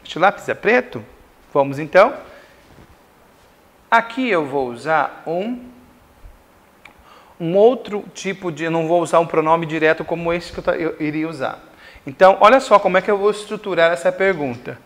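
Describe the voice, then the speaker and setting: Brazilian male teacher explaining slowly. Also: fairly high pitch, a bit bright. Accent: Brazilian Portuguese. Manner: explains slowly, repeating examples and asking "certo?". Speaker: English teacher. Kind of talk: recorded school lesson.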